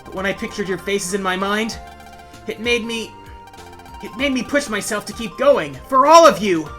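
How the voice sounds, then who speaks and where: A woman voicing an earnest, gentle young boy hero in a game story, speaking sincerely and a little hesitantly. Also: medium pitch, moderate pace, faint music behind, lightly acted. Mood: heartfelt. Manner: soft-hearted, sincere, hesitant.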